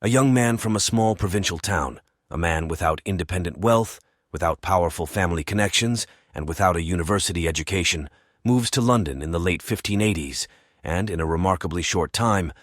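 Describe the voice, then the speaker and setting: Male exam tutor, low pitch, deliberate read-aloud delivery, very dry sound. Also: no room sound. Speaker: test-prep teacher reading practice passages. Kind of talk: reading aloud practice passages.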